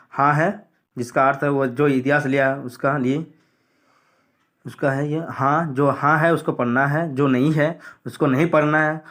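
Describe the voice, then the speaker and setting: A man going through a school syllabus on screen, repeating what to study and what to skip in a plain explanatory way. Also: a little high. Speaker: teacher.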